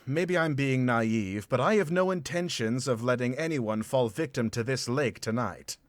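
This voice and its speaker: An actor playing a determined, protective traveler in a visual novel, speaking with earnest resolve. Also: male voice, mid-range voice, moderate pace, dry recording, natural voice. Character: determined, protective male traveler, defiant idealist.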